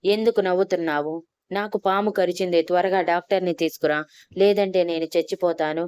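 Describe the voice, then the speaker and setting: A woman's voice: fairly low pitch, steady tone, fairly quick, darkish tone, clean tone, no echo, lightly acted. A woman voicing a spoiled young woman who talks in a tearful, demanding way in an audio story. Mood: panicked.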